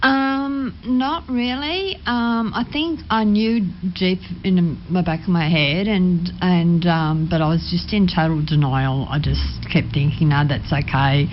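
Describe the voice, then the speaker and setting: Woman, studio guest, low voice, halting and soft, dull lo-fi sound. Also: a little hiss or hum. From Sydney, Australia. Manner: hesitant, many ums, soft-spoken. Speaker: interview guest. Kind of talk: personal testimony. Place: radio studio.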